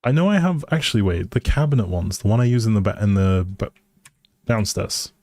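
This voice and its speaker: A man's voice: on the low side, lively intonation, a little fast, darkish tone, dry recording. A man giving casual live game commentary as a streamer, musing aloud in a hesitant way.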